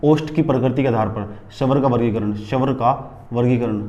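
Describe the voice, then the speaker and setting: During a Hindi grammar lesson, this teacher asks questions and answers them himself, repeats important terms, and instructs students to write headings as he dictates. He speaks at normal speed in a mellow, medium-pitched voice, recorded with lo-fi sound.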